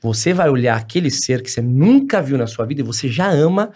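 A man's voice: mid-range voice, big pitch swings, brisk, darkish tone. A man in casual chat, holding forth emphatically with crude humor.

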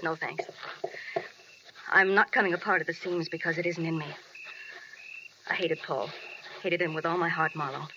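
A woman's voice: low voice, steady tone, normal speed, pauses often, lightly acted. A woman playing a hard, unsentimental, bitter wife in 1940s radio drama, cool and controlled but intense. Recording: muffled old radio recording, light noise.

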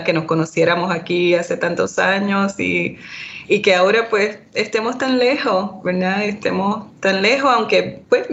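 A woman who grew up in Boston, speaking as an academic panelist in a hesitant, reflective way, dropping into English now and then. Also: medium pitch. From Boston, United States. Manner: hesitant, fillers, slips into English. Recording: slightly dull lo-fi audio.

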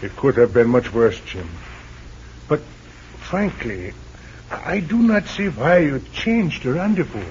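A formal, earnest jungle ally in a radio serial. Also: male voice, medium pitch, sing-song, unhurried, a little mellow. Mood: grave. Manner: formal, stilted speech without contractions. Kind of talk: 1940s radio acting. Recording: dull, hissy old radio recording.

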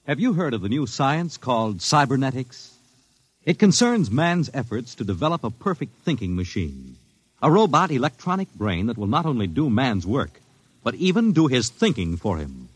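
Male radio announcer, mid pitch, lively intonation, emphatic 1950s style. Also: moderate pace, husky, no room sound.

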